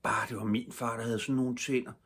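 An older man voicing an eager little boy in a storybook reading, speaking with a low, husky voice lifted higher for the child. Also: little pitch movement, fairly bright tone. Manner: eager, wondering. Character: cheerful little boy at the harbor.

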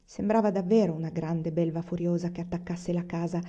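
A woman narrating a novel aloud as an audiobook reader, steady and expressive. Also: on the low side, a little fast, muffled recording. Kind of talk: scripted narration.

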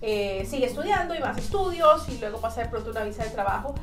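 A woman in her thirties, an immigration agent, hosting a friendly interview in a small office and talking in a lively, emphatic way. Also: a little high, quick pace, echoey room, over music. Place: small office in front of posters.

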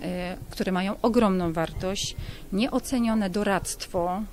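A woman's voice: mid-range voice, slow, darkish tone. A woman contest organizer talking with enthusiasm, listing things one after another. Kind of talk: news interview.

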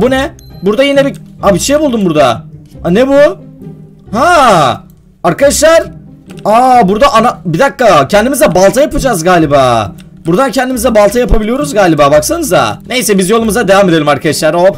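A young man playing a video game and commenting to his viewers, excitable and quick to get worked up when the game goes wrong. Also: sits high. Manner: excitable, addresses viewers as friends, gets worked up at traps. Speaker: gaming YouTuber.

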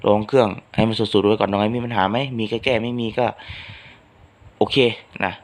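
A man's voice: on the low side, steady tone, brisk. A man hosting his own channel, chatting casually to his followers in a rambling, homely way with lots of fillers. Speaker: channel host. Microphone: phone microphone.

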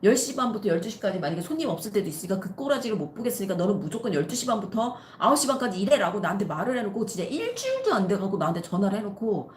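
A woman's voice: medium pitch, racing, few pauses, a little hiss or hum. A woman in her thirties tells a story with lots of rise and fall in her voice, switching into the voices of the people she describes. She talks casually on a live stream. The room echoes, and faint background ambience hangs under her voice. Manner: animated, acts out quoted people in the story. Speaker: nail artist and channel host. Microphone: live-stream setup. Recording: roomy echo with faint ambience.

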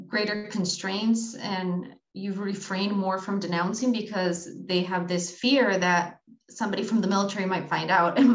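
A young woman researcher answering questions on a video call, thoughtful and hedging with fillers. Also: medium pitch. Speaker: presenting researcher. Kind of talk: academic Q&A answer. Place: small plain room, indoors. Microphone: laptop mic on video call. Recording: roomy, dull video-call audio.

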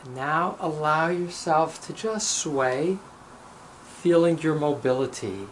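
A man speaking as a rabbi leading a guided meditation, measured and deliberate, pausing between short phrases and reciting blessings. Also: fairly high pitch, expressive, a little hiss or hum, poor audio.

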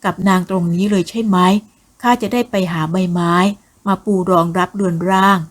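A woman voicing a lecherous, brutal male soldier, speaking in a slow gloating drawl. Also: medium pitch, steady tone, lightly acted. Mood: gloating menace.

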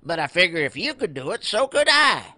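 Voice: mid-range voice, very animated, a little fast, bright, forceful tone, no echo. A performer voicing a wary, wisecracking rat hoodlum in a comic audio drama, sardonic and given to stammering. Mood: wary, needling.

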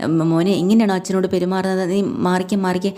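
A woman voicing a level-headed uncle who calms his angry nephew in a retold family story. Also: sits high, fast, lightly acted. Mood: calming. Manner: soothing, urging calm.

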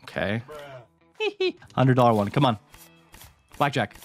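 A man's voice: mid-range voice, wildly swooping pitch, slow. A man in a mid-range voice gives loose running commentary on his casino play, swearing and talking straight to his viewers. Faint music plays underneath. His tone stays casual and unpolished throughout. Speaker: gambling streamer. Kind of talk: casual commentary while playing.

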